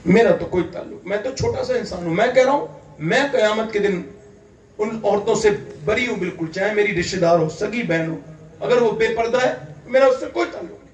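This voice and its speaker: A man from India preaching an impassioned sermon, fervent and building to loud emphatic peaks. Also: high-pitched, a little hiss or hum. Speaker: Islamic preacher. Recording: echoey hall, distant mic, faint ambience.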